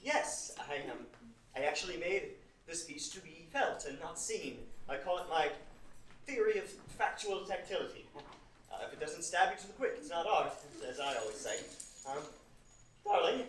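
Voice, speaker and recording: A man's voice: fairly high pitch, big pitch swings, moderate pace, fairly bright tone. Guy as nervy pretentious young artist, flustered, voice leaps about, distant stage recording. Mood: obsequious, flustered. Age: young adult. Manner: hesitant, flustered. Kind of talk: live stage comedy acting. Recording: echoey stage from afar, background noise.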